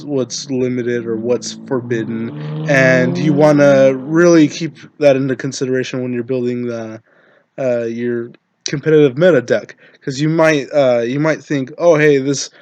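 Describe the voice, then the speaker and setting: A man with a hoarse voice from being sick, giving casual card-game deck-building tips to his viewers in a halting way, with many fillers and restarts. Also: mid-range voice, a little mellow, no echo. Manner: hesitant, many ums and restarts. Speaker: Yu-Gi-Oh content creator.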